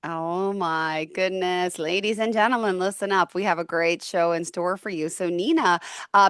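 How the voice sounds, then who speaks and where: A woman hosts a business podcast with an effusive, enthusiastic manner. Her voice sounds close and dry, with no room echo around it. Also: mid-range voice. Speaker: podcast host. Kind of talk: interview hosting.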